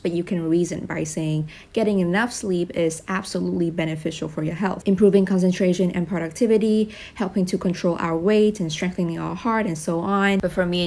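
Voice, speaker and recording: Calm young woman giving study tips. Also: fairly low pitch, a little fast, hardly any pauses. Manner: calm and explanatory. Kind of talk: study-tip vlog narration. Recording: soft music bed.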